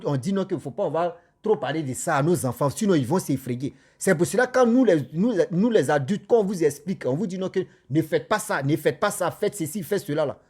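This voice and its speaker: A man telling a spooky cautionary tale in casual spoken French, animated and repetitive, speaking straight to his listeners. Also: on the high side, breathy edge. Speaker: storyteller.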